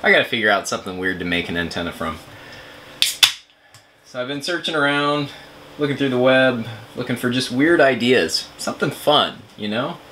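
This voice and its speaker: A man's voice: medium pitch, lively intonation, moderate pace, noisy background. A man in his thirties talking casually for a vlog, musing aloud as he goes. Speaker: amateur radio video maker. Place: garage workshop and open field.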